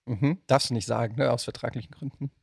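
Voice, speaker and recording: A middle-aged man hosting a casual interview podcast, joking and phrasing things haltingly. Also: mid-range voice, steady tone, vocal fry, husky, no echo, studio quality. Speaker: podcast host. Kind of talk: casual chat, interviewing a guest.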